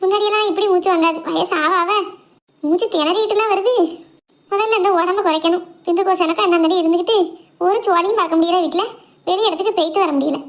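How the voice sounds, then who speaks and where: A woman's voice: very high-pitched, fast talker. A woman voicing a tired, affectionate, grumbling village mother in a cartoon, chattering in a Tirunelveli Tamil accent. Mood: weary, grumbling. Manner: colloquial, chattering, complaining. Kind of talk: homemade cartoon family drama.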